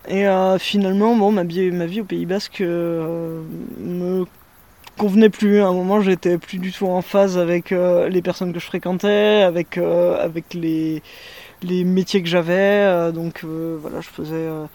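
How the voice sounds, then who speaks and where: A woman's voice: fairly low pitch, steady tone, a little slow, dark tone. A woman in her thirties with a Parisian accent, chatting as a guest in a casual interview, hesitant and full of fillers and restarts, recorded outdoors in a garden. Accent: Parisian French. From France. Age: 30s. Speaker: guest, musher. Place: sunny garden in the mountains, outdoors.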